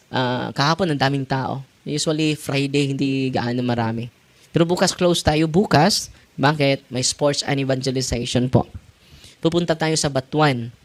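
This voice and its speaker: A man preaching as a Catholic priest and exorcist, emphatic and often laughing. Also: medium pitch. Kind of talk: sermon.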